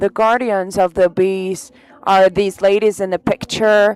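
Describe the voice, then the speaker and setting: A plain, everyday voice moves at a fairly slow pace in a dry, close sound with no echo. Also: woman. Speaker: conservation program founder presenting at a seminar. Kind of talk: conference presentation.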